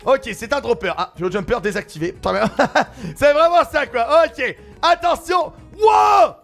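A man giving excitable gaming commentary, exclaiming, laughing and shouting as he plays. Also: extremely high pitch, moderate pace, gravelly, faint music behind. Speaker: gaming YouTuber.

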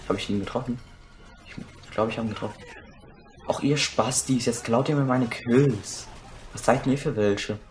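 A young man giving crude, excitable commentary while playing a shooter, swearing and shouting at enemies. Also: mid-range voice. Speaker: let's play gamer. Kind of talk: casual gameplay commentary.

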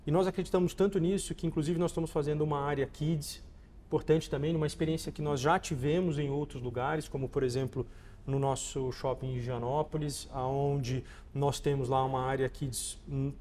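A Brazilian man in his forties from Goiás, a shopping mall executive, gives polished, conversational answers as an interview guest. His voice sits on the high side, steady, brisk and darkish, recorded in a reverberant space with faint background noise.

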